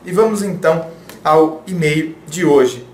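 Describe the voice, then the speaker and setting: A calm man from the interior of São Paulo, Brazil, hosts a relationship advice channel, giving advice and reading viewer letters aloud. His voice is on the high side and a little slow. The recording has a roomy echo and faint background noise.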